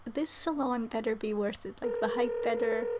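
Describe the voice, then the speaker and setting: A woman's voice: fairly high pitch, moderate pace. A woman giving casual live commentary as a game streamer. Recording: faint background noise.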